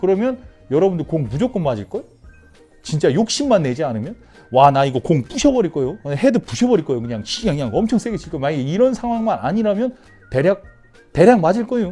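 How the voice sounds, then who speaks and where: A man's high-pitched voice with a Chungcheong accent, very fast pace, very wide pitch swings, long, frequent pauses and music in the background. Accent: Korean regional dialect (Chungcheong). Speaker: golf club fitter and instructor. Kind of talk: golf lesson talk to camera. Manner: casual, folksy.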